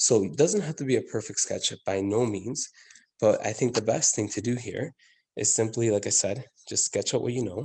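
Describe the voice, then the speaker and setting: Against a quiet background, a man speaks at a medium pitch with ordinary pitch variation. His voice is somewhat breathy, with a dark, mellow tone. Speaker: math teacher. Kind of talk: tutorial. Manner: fast, rushed.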